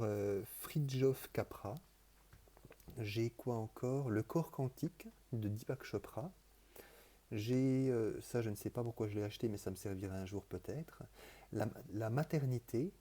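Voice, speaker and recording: A man with a very dark, mellow voice talks through his book collection in an improvised vlog monologue. He wanders and hesitates, stacking repeated words before he lands a thought. His tone stays earnest and quietly enthusiastic. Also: medium pitch. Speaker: vlogger presenting his books.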